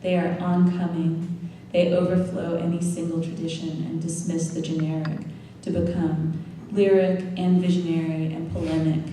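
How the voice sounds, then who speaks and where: A woman host reading an introduction for a poet at a live event in a measured, even way. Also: on the low side. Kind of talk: read introduction. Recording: roomy hall from a distance, faint noise.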